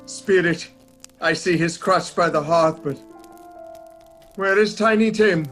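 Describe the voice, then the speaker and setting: An actor playing an old miser, repentant and pleading, in theatrical, emotional radio drama style. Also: male voice, a little high, takes it slowly, fairly bright tone, faint music behind. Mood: solemn pleading.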